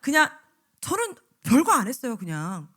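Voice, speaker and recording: A woman evangelist giving a lively sermon to church teachers, often acting out the voices of teachers and children. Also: high voice, moderate pace. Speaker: evangelist preacher. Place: church sanctuary.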